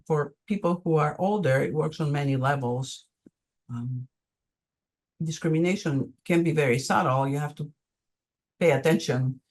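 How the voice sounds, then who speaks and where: Woman, greek accent, older, halting speech with frequent ums, video call mic. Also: low voice, darkish tone. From Greece. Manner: hesitant, many ums and pauses. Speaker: conference presenter answering questions. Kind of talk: unscripted Q&A answer on a video call.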